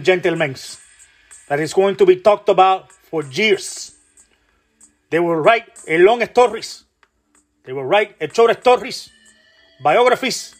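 Man acting a high-voiced, pompous Latino pep-speech giver. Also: slightly rough. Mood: solemn, rousing. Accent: Spanish-accented English. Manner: solemn, theatrical, rousing delivery. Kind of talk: mock-inspirational pre-game sports pep speech. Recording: music behind the voice.

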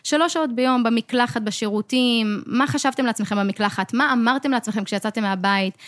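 A woman's voice: a little high, a bit bright, dry recording. A young adult woman co-hosting a podcast as a coach, explaining earnestly in casual chat and acting out the voices in her head.

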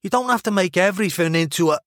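A man's voice: high voice, lively intonation, quick pace, fairly bright tone, no echo, clean studio sound, pitched above the performer's own voice. A man voicing a laid-back, sardonic bloke with a Mancunian accent, over-enunciated vowels and a blunt, half-hearted manner in an audiobook. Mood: blunt, dismissive.

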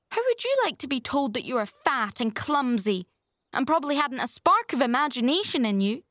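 A fiery young orphan girl played by a woman narrator in a storybook reading. The voice is high, choked and wounded, pushing out each phrase with vehement indignation in a close, dry sound. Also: no echo.

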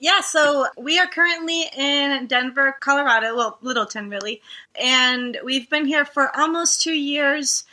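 Woman guest from Costa Rica, slightly high, bright forceful voice, relaxed chatty delivery. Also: unhurried. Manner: relaxed, conversational, uses filler "like". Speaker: guest, ministry leader. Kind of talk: casual interview chat.

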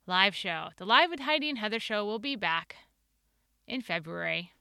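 A woman in her forties with a Midwestern American accent talks through her solo podcast in an earnest, playful way. Her voice is sharp and bright, smooth and clean. The recording is dry and close, with little sound of the room. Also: medium pitch, animated, normal speed, no room sound. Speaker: podcast host.

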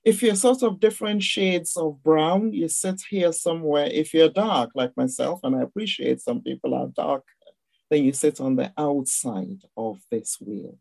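A woman with a Nigerian accent, a guest speaker explaining ideas in a measured way on a video call. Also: sits low, vocal fry, a little mellow, no room sound. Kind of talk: online discussion session.

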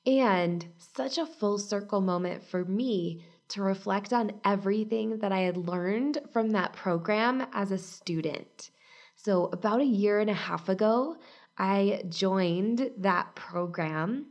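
A woman in her thirties hosting a casual solo podcast, upbeat and chatty, her voice husky from a cold. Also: medium pitch, takes it slowly. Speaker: podcast host and business coach.

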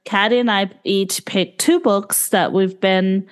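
A woman's voice: mid-range voice, steady tone, measured pace, smooth. A woman co-hosting a book podcast, talking in an easygoing way and laughing along. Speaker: podcast co-host. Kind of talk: casual book chat.

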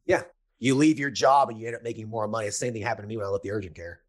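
Male host, thirties, lowish voice; casual, blunt coaching with points hammered home. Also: very fast. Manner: blunt, emphatic, repeats key points. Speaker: podcast host and business coach.

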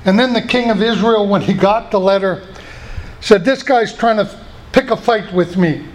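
High-voiced older pastor preaching folksy. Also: male voice, moderate pace, low-quality recording. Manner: folksy storytelling with asides to the congregation. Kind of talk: sermon.

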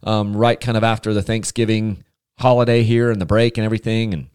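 A man's voice: fairly low pitch, fairly even intonation, a little fast, a little mellow, clear, resonant tone, dry recording, clean studio sound. A man hosting a casual solo podcast, chatty and enthusiastic, rambling with frequent restarts. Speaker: podcast host.

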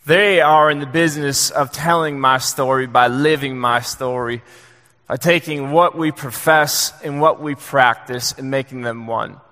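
Earnest preacher in a reverberant hall. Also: male voice, mid-range voice, steady tone, sharp tone. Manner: earnest, halting with frequent fillers. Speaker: pastor. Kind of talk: sermon. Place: church sanctuary.

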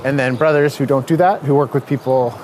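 A man's voice: mid-range voice, fairly even intonation, fairly quick, a little mellow. Friendly man over traffic noise. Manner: friendly, laughs easily, explains plainly. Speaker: Jesuit brother, interviewer. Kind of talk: casual conversation.

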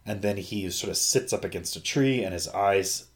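A man's voice: lowish voice, normal speed. A man hosting a podcast in casual, joking chat, rambling off on tangents with the odd swear word. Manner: jokey, rambling, digressive, mildly profane. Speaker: podcast host. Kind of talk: casual chat recapping an anime.

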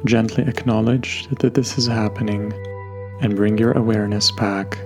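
A man guiding a meditation in a gentle, unhurried way, leaving long pauses between instructions. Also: lowish voice, little pitch movement. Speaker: meditation guide. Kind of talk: guided meditation narration. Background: soft background music.

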